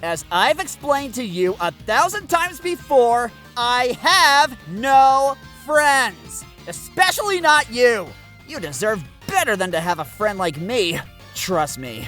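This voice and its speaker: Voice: mid-range voice, big pitch swings, takes it slowly. A brooding boy rival from a parody cartoon , voiced by an actor, sullen and snappish. The delivery swings dramatically up and down, with faint music behind it. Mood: irritated. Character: surly, brooding, exasperated boy rival trainer. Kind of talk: fan parody cartoon dub acting.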